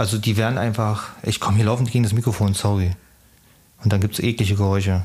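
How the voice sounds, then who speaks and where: A man speaks very fast in a fairly low, somewhat breathy voice. His intonation is flat and monotone, and his loudness stays very even. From Berlin. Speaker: podcast co-host, father. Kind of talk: casual chat.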